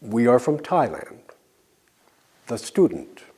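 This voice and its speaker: Guy teaching english real slow, mellow voice, pitch goes up and down a lot, pauses for you to answer. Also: very animated. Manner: slow, clear drilling with pauses for learners. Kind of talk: slow scripted language lesson.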